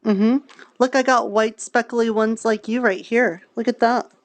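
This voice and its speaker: A woman playing a gentle fantasy mushroom grower in improvised roleplay, talking hesitantly in simple, childlike phrases. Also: a little high, steady tone, a little slow. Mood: gentle, explaining. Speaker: roleplay streamer. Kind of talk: improvised in-character virtual-world roleplay chat.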